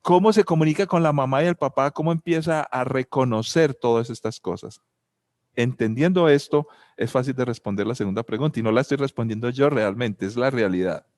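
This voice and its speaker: A man's voice: mid-range voice, fairly quick, a little mellow, no echo. A man with a Colombian accent giving a reflective talk on family and spirituality, asking many rhetorical questions and telling personal anecdotes.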